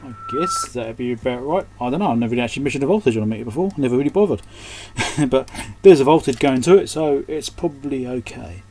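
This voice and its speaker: A man's voice: mid-range voice, lively intonation, fast talker, few pauses, a little mellow, slight background noise. A man giving unscripted hands-on repair commentary, thinking aloud in short, muttered fragments as a technician at his bench. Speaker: electronics repair technician and host. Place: indoors at an electronics repair workbench.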